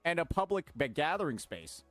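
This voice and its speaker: A man's voice: on the high side, sing-song, moderate pace, fairly bright tone, faint music behind. A man streamer talking to his chat, incredulous and sarcastic, defending himself. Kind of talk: livestream reaction.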